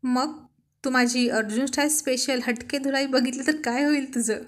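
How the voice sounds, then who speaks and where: A woman voicing a playful, tough young husband who teases his wife lovingly, drawling some lines slowly. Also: sits high, steady tone, lightly acted. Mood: teasing. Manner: teasing, boastful, slow drawn-out lines.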